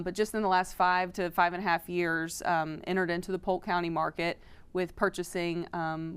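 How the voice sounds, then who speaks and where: A woman's voice: lowish voice, clear, resonant tone. A middle-aged woman from Florida, a foundation director, answering interview questions in a studio in a friendly, informative way with frequent "um" fillers. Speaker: foundation executive director, guest.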